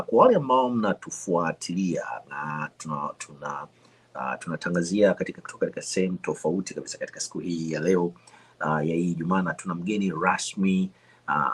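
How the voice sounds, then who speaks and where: A male show host with a very deep, husky voice, introducing a guest from a temporary studio. He speaks haltingly, filling pauses with long drawn-out sounds. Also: fairly bright tone. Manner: halting, many drawn-out "ah" fillers. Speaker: host, broadcaster.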